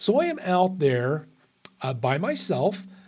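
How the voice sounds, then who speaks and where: A man is speaking. His voice is somewhat breathy with a dark, mellow tone. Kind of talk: personal ghost story told to an audience.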